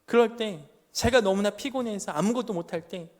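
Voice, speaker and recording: A man's voice: high voice, moderate pace, darkish tone. A man in his thirties, a junior pastor preaching a sermon to young adults, pressing the room with emphatic rhetorical questions and stories from his family life. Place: church sanctuary. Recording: long church hall reverb.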